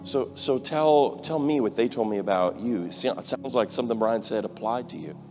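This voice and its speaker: A man's voice: mid-range voice, expressive, brisk. A man leading a live stage ministry in an arena, casual as he directs the crowd. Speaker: evangelist host. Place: large indoor arena stage. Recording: live music under the voice. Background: worship music.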